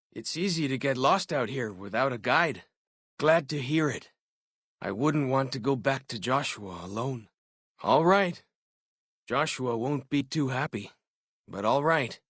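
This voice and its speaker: Young tribal scout for a video game: earnest, wry, jumpy sidekick, slightly husky, unhurried delivery. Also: male voice, on the high side, fairly bright tone, dry recording, studio quality, heavily acted. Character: eager young tribal scout, jumpy but loyal companion. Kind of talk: video game character voice acting.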